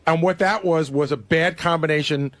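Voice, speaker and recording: A man's voice: on the high side, steady tone, normal speed, fairly bright tone, no echo. A man on a radio show explaining himself casually, defensive and insistent, often repeating his words. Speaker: radio show staff member.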